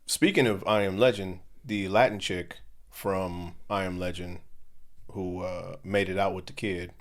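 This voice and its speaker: Young man, podcast co-host, low voice, relaxed slangy banter, jokey. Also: a little slow. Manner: laid-back slangy banter, jokey asides. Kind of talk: casual chat.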